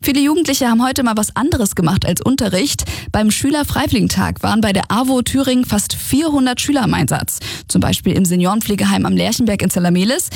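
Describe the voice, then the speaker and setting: Husky, gravelly woman reading radio news. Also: medium pitch, dry recording, studio quality. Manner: steady, measured news delivery. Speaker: news reader. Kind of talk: read radio news bulletin. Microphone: studio microphone.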